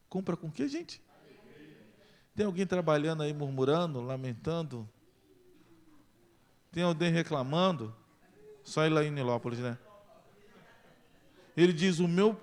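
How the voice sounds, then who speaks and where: A male pastor with a Brazilian Portuguese accent preaching a sermon, swinging from loud emphasis to quiet intensity. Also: a little high.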